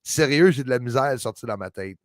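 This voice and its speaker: An enthusiastic man hosts a casual livestream in a mid-pitched voice. He rambles along in a chummy way, talking straight to his listeners. The sound is dry and close, with little room in it. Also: quick pace, no echo. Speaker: livestream host. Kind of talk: casual livestream chat with viewers.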